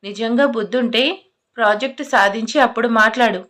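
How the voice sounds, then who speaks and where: A woman's voice: on the high side, brisk, a bit bright, natural voice. A woman voicing a young female college student who answers back, defensive and mocking. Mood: defiant.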